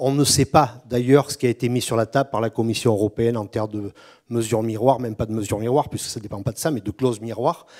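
Against a quiet background, a man with a medium pitch talks at a fairly quick pace, with fairly even intonation and long, frequent pauses. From France, Cantal; France. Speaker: cattle farmer and union leader; speaker. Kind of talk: panel discussion. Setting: conference room with audience. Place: stage. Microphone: handheld.

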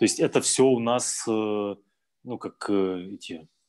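The pitch falls in the medium range. It belongs to a man. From Ukraine. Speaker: company co-founder. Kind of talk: online group discussion. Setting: video call.

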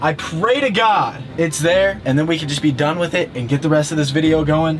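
With light background noise present, a man's fairly quick speech shows ordinary pitch variation. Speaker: vlogger. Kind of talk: casual vlog chat. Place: car.

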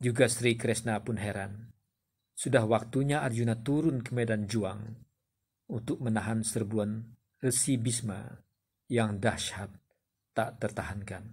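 A man speaks at a fairly slow pace in a dramatic, solemn tone, somewhat breathy, with medium pitch, fairly even intonation and long, frequent pauses. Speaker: narrator of an epic retelling. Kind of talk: scripted narration of a mythic epic, with dialogue read in character. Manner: dramatic, solemn storyteller pacing.

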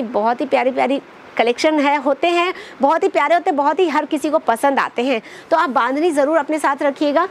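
With a high pitch and ordinary pitch variation, a woman talks at a moderate pace over light background noise. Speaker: presenter. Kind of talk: promotional shop tour talk. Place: shop.

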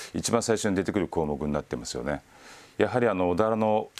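A man talks at a very fast pace with lively intonation. Vocal fry runs through his voice. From Kanagawa, Japan (Odawara); Kanagawa, Japan. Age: 60s. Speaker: mayor. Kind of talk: live TV interview. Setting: TV studio. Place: studio. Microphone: lapel.

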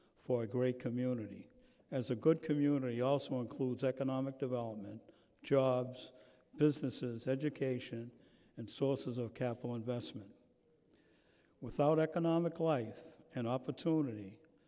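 Male speech in a dark, mellow tone at a moderate pace, with long, frequent pauses against a quiet background. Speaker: council member giving inaugural address. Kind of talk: formal prepared speech. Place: hall. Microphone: podium.

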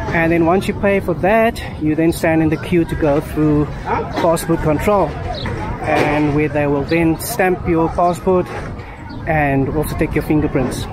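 Noticeable background noise surrounds a man's voice. He speaks at a fairly slow pace with ordinary pitch variation. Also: dry sound with no echo. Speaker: travel vlogger. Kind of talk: casual vlog chat. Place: street. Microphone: phone near.

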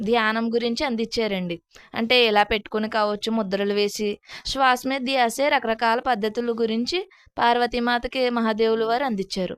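On a very clean recording with a silent background and a dry, close sound with no echo, a woman speaks in an ordinary speaking voice at a fairly high pitch with fairly even intonation. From Andhra Pradesh, Konaseema district. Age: young. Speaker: meditation practitioner. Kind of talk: interview testimony.

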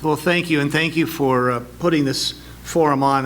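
A man with an American accent at a fairly quick pace, over noticeable background noise. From Tucson, Arizona. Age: 70. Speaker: political candidate. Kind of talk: candidate forum statement. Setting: library event with live audience. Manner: hesitant, frequent fillers.

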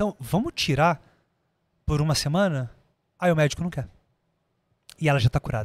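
A man talks with ordinary pitch variation. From Rio de Janeiro, Brazil. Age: 40s. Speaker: self-development coach. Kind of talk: interview conversation. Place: studio. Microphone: studio mic.

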